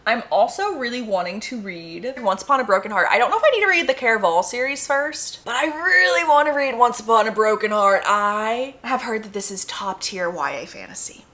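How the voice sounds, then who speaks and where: This is a young American woman with a fairly high voice that swings widely up and down. She talks like a vlogger sharing favorites with her followers, casual and gushing. She leans hard on key words and likes to repeat a phrase for emphasis. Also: big pitch swings, a little fast, few pauses, bright, forceful tone. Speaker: book reviewer vlogger. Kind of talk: casual enthusiastic vlog chat to viewers.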